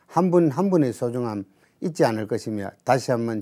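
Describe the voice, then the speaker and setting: Against a quiet background, a man with a dark, mellow tone speaks at a moderate pace in a medium pitch with lively intonation. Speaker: city council member. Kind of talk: acceptance speech. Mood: grateful, earnest. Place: studio.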